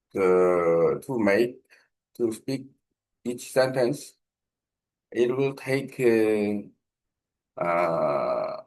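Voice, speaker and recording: A man from Korea speaks English with a Korean accent in a fairly low voice. His pace is very slow and halting as he searches for simple words. He sounds like a language learner informally explaining a practice exercise. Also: poor audio.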